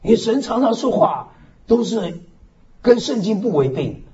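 A male pastor preaches with a high, lively voice that swoops up and down, punctuating his points with amen and hallelujah and dropping in the odd English word. The recording sounds slightly dull and lo-fi. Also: normal speed, husky. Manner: animated preaching with frequent amens and hallelujahs; mixes English words into speech. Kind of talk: sermon.

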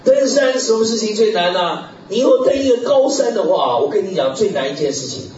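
Animated male preacher in an echoey hall. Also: high voice, brisk, slight background noise. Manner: animated, peppers talk with hallelujah and amen; chuckles often, bursts into shouts. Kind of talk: sermon. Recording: echoey hall, distant mic, dull lo-fi.

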